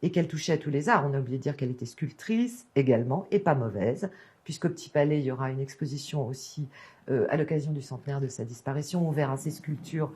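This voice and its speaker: A female author answers with emphatic enthusiasm, piling on praise and restarting her sentences as ideas rush in. Her voice sits low for a woman, with a dark, mellow tone. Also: animated, fast. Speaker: author and biographer guest. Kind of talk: passionate interview answers.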